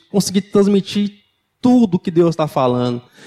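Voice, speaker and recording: A man's high, dark and mellow voice with a Brazilian accent, at a moderate pace in a dry, close sound with no echo. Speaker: pastor. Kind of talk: sermon.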